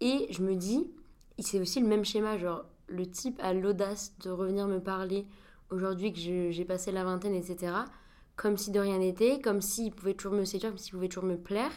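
Her tone dark and mellow, a woman speaks at a medium pitch and a fairly quick pace with fairly even intonation. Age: 20s. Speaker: podcast host. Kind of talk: casual conversation.

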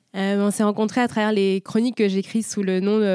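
On a very clean recording with a silent background, a woman speaks. Her tone is dark and mellow, her intonation monotone and flat. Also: dry, close sound with no echo. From Paris, France. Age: 30s. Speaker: author and innovation director. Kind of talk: interview.

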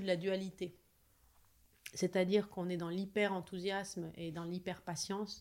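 A woman speaks in a normal speaking voice at a medium pitch. Her pace is fairly slow and her intonation fairly even. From abroad (Poland, Morocco) as French expatriate child. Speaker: tango dancer and teacher. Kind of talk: interview conversation.

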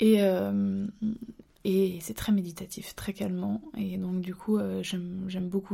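A woman's somewhat breathy voice at a medium pitch, dark and mellow in tone. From French Alps, Savoie. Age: 20s. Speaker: alpine ski racer. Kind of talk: casual interview. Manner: calm, composed; hesitant, many fillers.

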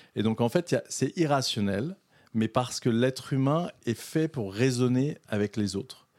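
The sound is dry and close with no echo, in a very clean recording with a silent background. A man speaks at a fairly slow pace. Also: medium pitch for a man, lively intonation. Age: 50s. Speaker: artist and musician. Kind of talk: casual conversation. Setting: studio. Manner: hesitant, repeats words.

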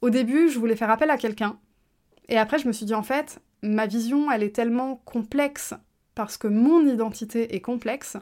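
A woman's normal speaking voice at a moderate pace, fairly high in pitch with ordinary pitch variation, on a very clean recording with a silent background. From France. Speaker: business coach and podcast host. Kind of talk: casual solo podcast monologue. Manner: spontaneous, with laughter.

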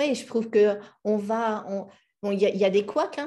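A woman's fairly high voice carries a dark, mellow tone over a quiet background. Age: 50s. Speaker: life coach. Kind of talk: interview. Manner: halting.

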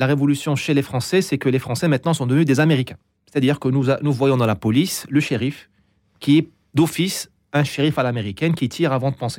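Speaking very fast, a man uses a fairly high pitch with ordinary pitch variation. The background is silent and the recording very clean. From Morocco. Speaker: author and lecturer on international relations. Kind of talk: radio interview. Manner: halting, with many repeated words.

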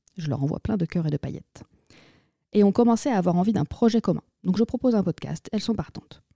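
Very fast speech broken by long, frequent pauses comes in a dark, mellow, somewhat breathy tone with lively intonation and a dry, close sound with no echo. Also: woman, medium pitch for a woman. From western France, Vendée. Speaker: podcast host and life coach. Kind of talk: scripted podcast monologue.

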